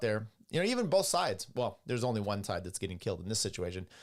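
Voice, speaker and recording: In a very clean recording with a silent background, a man speaks at a very fast pace with very wide pitch swings. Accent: American. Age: 50s. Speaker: podcast host. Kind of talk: political commentary reacting to clip.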